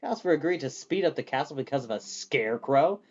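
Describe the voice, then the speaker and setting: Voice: medium pitch, animated, fast, a little mellow, highs cut off. A storyteller voicing a vain, sardonic young male wizard in a storybook, theatrical and mock-polite. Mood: worried, restless.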